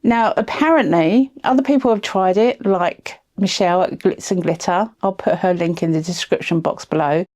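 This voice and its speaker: A woman with a cold, sounding croaky, chatting her way through a craft tutorial voice-over with friendly little asides. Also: on the low side, normal speed, few pauses, a little mellow. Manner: chatty, self-deprecating asides. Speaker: resin craft video host.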